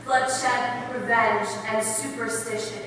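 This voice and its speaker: Woman as young tribal refugee, defiant and earnest, high bright voice, stage storytelling in an echoing hall. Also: level tone, takes it slowly. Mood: solemn. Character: Dayume, young Waodani woman who fled her violent people, defiant. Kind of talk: readers' theater recital, dramatic narration. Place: large indoor recital hall, distant microphone. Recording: echoey hall from far off, faint noise.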